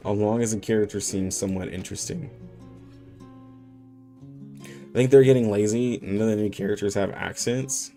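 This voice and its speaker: A man's voice: on the low side, normal speed, long pauses, warm tone, soft background music. A man streaming games, chatting casually with heavy slang and many "like" fillers, laughing often. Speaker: gaming streamer. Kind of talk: casual livestream chat.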